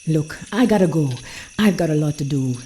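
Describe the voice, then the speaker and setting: An actress voicing a commanding, seductive voodoo priestess in a video game, a mysterious mentor with a portentous, folksy way of talking. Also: female voice, low-pitched, expressive, moderate pace, warm tone, slight background noise. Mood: grave, urgent. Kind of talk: dramatic game cutscene acting.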